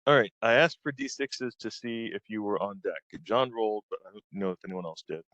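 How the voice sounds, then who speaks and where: A man running a tabletop game, explaining rules and scenes in a relaxed way, with plenty of ums along the way. His voice sits low, and the recording is dry and close. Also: fairly quick, no echo, highs cut off. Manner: relaxed, full of ums, laughs often. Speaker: game master.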